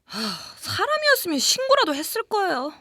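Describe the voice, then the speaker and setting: An actress playing a young office worker who recounts an eerie experience in a conversational way, in a horror audio drama. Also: female voice, very high-pitched, dry recording, studio quality, heavily acted. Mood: chatty, aggrieved. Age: young adult. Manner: conversational, animated narration with drawn-out murmurs and whispers.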